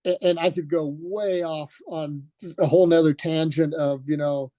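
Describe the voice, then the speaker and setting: A man's voice: a little high, fairly even intonation, normal speed, mellow, dry recording. An older man, a retired racer, telling stories from his career in a loose, rambling interview with many fillers and restarts. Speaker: retired motocross racer, guest. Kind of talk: relaxed reminiscing in an interview.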